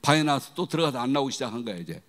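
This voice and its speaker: Racing through his sermon, a middle-aged man serving as guest pastor tells vivid stories and performs the voices he quotes with dramatic pitch leaps. It's recorded in a church sanctuary with long, hall-like reverb.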